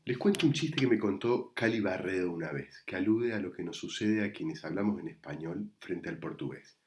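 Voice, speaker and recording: A man with an Argentine Spanish accent, a psychoanalyst giving a prepared talk recorded remotely in a measured, reflective way. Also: deep voice, lively intonation. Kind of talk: prepared lecture read to camera. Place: recorded remotely, not in the event hall.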